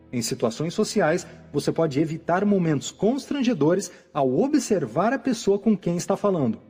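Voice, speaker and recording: A man reads a nonfiction audiobook in a steady, instructive way. His voice sits fairly high yet sounds warm and mellow. Faint music plays quietly beneath the narration. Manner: calm, even, instructive reading.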